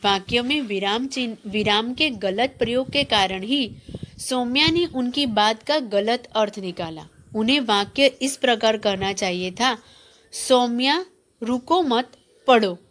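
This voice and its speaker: A woman's voice: fairly high pitch, unhurried, a bit bright. A woman teacher giving a grammar lesson to schoolchildren, reading from the textbook and asking the class questions. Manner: explains, then repeats points as questions to the class; reads textbook passages aloud, then explains them.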